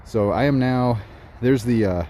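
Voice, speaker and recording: A man reviewing gear in a casual night vlog, walking outdoors in a suburb and talking excitedly about what he sees. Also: mid-range voice, a little slow, a little hiss or hum. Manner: excited, narrating while walking. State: slightly out of breath.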